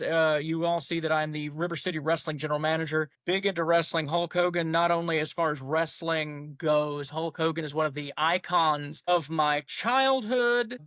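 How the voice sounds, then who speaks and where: A man's voice: a little high, fairly bright tone, no echo. A man hosting his own podcast in a casual, rambling monologue, opinionated and joking about himself. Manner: opinionated, rambling, self-deprecating humor. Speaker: podcast host.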